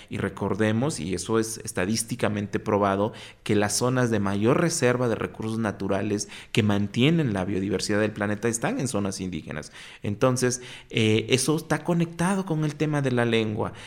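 In a very clean recording with a silent background, the speaker uses an ordinary speaking voice with lively intonation at a moderate pace. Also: man, medium pitch for a man. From Mexico, Oaxaca (Mixtec town). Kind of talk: interview.

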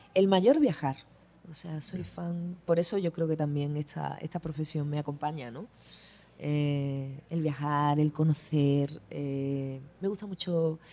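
A woman speaks very slowly in a very deep, low voice with a dark, mellow tone. Her pitch moves with ordinary variation. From southern Spain, Jerez de la Frontera (Cádiz). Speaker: singer-songwriter. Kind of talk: casual interview chat. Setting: at a golf venue.

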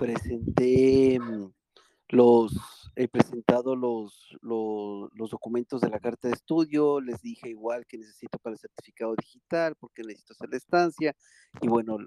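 Speaking at a moderate pace, a man with a medium pitch and a dark, mellow tone keeps his intonation fairly even, though his loudness swings a lot. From Ecuador. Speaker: student visa applicant. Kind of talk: group voice chat question.

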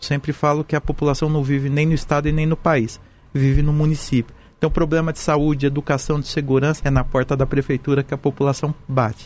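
The speaker talks at a fairly quick pace in a monotone, flat intonation, with very even loudness. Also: man, fairly high pitch for a man. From Brazil, Campinas (São Paulo state). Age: 40s. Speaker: state legislator. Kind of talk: interview.

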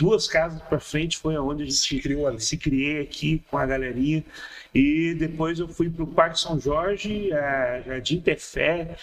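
A man with an ordinary speaking voice talks at a fairly high pitch, with fairly even intonation. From Brazil, Almirante Tamandaré, Paraná (Curitiba area). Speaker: pastor, church founder. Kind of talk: casual interview chat.

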